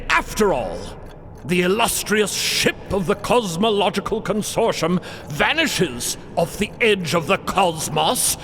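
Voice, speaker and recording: A man's voice: sits high, bright, forceful tone, pitched above the performer's own voice, exaggerated voice. A man voicing a pompous, imperious old bearded Count in a formal manner for a fiction podcast. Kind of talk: narrated fiction podcast character acting. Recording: long reverb, faint music behind.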